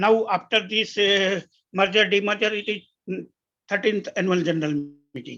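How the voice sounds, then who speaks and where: Projecting his voice, a man speaks at a moderate pace in a high pitch with a bright, sharp tone. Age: 60s. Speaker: shareholder. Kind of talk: shareholder question at company meeting. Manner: halting, many fillers.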